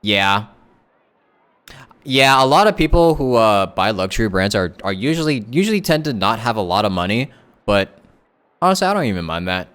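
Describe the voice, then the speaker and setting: A man's voice: fairly low pitch, very animated, moderate pace, pauses often, a bit bright, smooth. A man livestreaming a game, chatting casually and reacting in a laid-back, joking way over the game audio. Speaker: game streamer.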